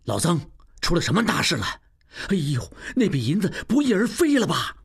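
A man's voice: on the high side, huge pitch swings, fairly quick, gravelly, breathy edge, full character voice. A man voicing an agitated, scheming male merchant in an audiobook. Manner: agitated, pressing.

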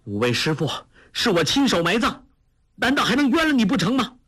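A man's voice: sits high, very animated, brisk, bright, forceful tone, breathy edge, voice pushed up, full character voice. A man voicing an earnest young male hero in a storybook who cries out in strained, grief-stricken indignation. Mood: accusing. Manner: strained, crying out.

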